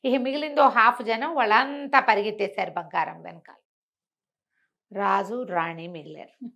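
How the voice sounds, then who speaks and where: A woman telling devotional stories conversationally, in an expressive, emphatic way that repeats phrases for effect. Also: mid-range voice, moderate pace, creaky, lo-fi sound. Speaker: storyteller and talk show guest.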